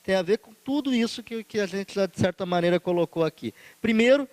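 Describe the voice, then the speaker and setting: A man's voice: high voice, a little fast, a little mellow, no echo. Earnest Brazilian man giving a speech. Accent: Brazilian Portuguese. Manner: earnest, emphatic, rhetorical lists. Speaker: union leader speaking at a conference. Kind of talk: formal conference speech.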